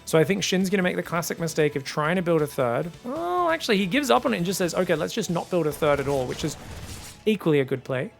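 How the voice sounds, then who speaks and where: Young male game caster, high creaky voice, informal and animated, music behind. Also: fast talker. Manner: animated, informal, addresses viewers as guys. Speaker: esports commentator. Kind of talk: casual live game commentary.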